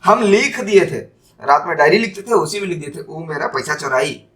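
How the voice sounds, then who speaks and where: A man giving a spoken lesson on communication, stressing single words and drawing out example sentences slowly. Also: on the high side, animated, a bit bright. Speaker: teacher.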